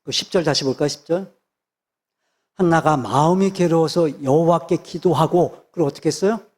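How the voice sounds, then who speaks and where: Husky emphatic man preaching a sermon. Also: on the high side, normal speed, darkish tone. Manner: emphatic, repeats phrases for stress. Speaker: pastor.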